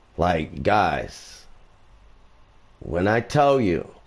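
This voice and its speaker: In a Boston accent, a man with vocal fry speaks at a very slow pace with very wide pitch swings. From Boston, Massachusetts. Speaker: gaming live streamer. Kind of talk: casual live stream chat.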